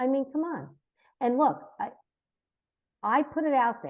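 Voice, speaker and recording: In an animated tone, a woman with an American accent speaks at a fairly slow pace. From New York. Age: 60s. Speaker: life coach. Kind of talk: interview.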